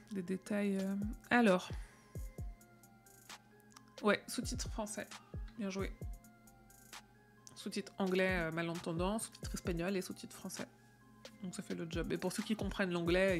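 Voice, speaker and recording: A woman with a medium-pitched voice hosts a casual live stream, chatting with her viewers and using lots of fillers and restarts.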